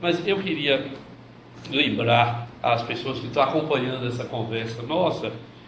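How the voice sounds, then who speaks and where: Over noticeable background noise and audible room echo, a man talks at a fairly slow pace in a medium pitch with ordinary pitch variation. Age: 70s. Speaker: panel moderator, professor. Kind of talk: panel discussion.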